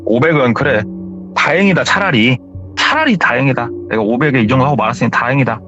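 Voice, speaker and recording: A man voicing a shaken middle-aged man in a retold horror story, swinging from hushed dread to sudden shouting. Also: medium pitch, lively intonation, brisk, close to an everyday voice. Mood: uneasy. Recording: dull lo-fi with faint music.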